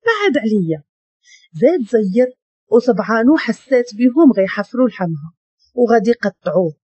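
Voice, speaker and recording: A woman with a Moroccan accent narrating a dramatic story in an expressive reading. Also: on the high side, fairly quick, husky, no echo. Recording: dull lo-fi dry recording.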